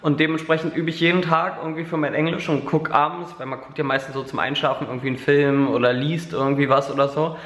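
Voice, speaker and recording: A man's voice: fairly high pitch, steady tone, fast, few pauses, fairly bright tone. Chatty young man in an echoey room. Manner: rambling, filler-heavy, chatty. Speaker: vlogger. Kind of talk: casual daily vlog chat. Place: living room at home, indoors. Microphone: camera held at arm's length.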